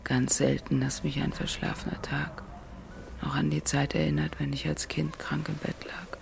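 An actress playing an exhausted woman in an inner monologue, speaking in a weary, monotone way. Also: low voice, normal speed, vocal fry, whispered. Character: exhausted woman narrating her inner thoughts. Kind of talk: inner monologue in a radio drama. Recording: noisy background.

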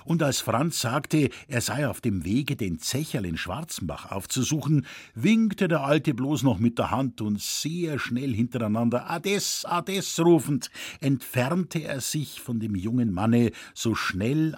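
A man reading a novel aloud as an audiobook narrator, with measured storytelling delivery. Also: medium pitch, lively intonation, husky, no echo, studio quality.

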